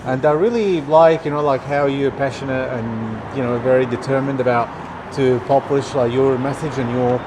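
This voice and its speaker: A man's voice: medium pitch, steady tone, brisk, noisy background. A man from Egypt with an Egyptian accent and native Arabic, chatting casually as a street vlogger. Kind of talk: casual street vlog chat. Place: outdoors on an urban shopping street.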